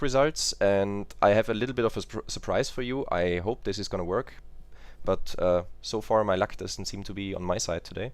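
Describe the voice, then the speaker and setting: This is a man talking. The background is silent and the recording very clean. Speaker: university lecturer. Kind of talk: lecture. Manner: fast.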